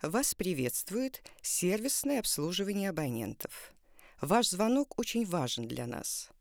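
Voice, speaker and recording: A woman's voice: on the low side, very animated, measured pace, vocal fry, a little mellow, no room sound, clean studio sound, heavily acted. A woman playing a courteous customer service announcer, reading automated phone menu options in a polite, formal manner.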